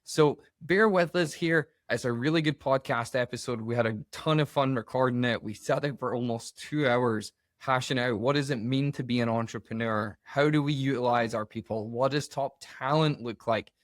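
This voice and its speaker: A man's voice: medium pitch, moderate pace, hardly any pauses, no room sound, clean studio sound. A man hosting a podcast interview, talking in an upbeat, enthusiastic, chatty way. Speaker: podcast host.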